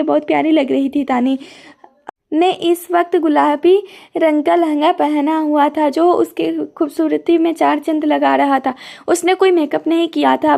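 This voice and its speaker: A woman's voice: sits high, creaky, mellow. A woman narrating a romantic family story from a script, reading all the characters' lines herself in a near-plain voice.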